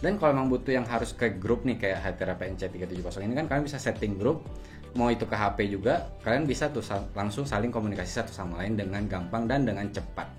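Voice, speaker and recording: A man's voice: on the low side, fast, faint music behind. A man hosting a product review, explaining things in an informal, conversational way. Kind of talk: casual scripted-feel gadget review to camera.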